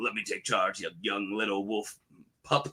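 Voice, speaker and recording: A man's put-on character voice, raspy and gruff, fairly low in pitch, at a moderate pace with fairly even intonation. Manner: gruff, curt, stern.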